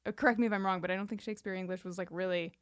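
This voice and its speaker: A woman with a clear, smooth voice at a middling pitch co-hosts a casual podcast. She talks and tells stories in a wry, playful, informal manner. The recording is dry and close. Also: steady tone, rapid-fire, no echo. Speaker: podcast co-host. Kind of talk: casual chat and personal storytelling.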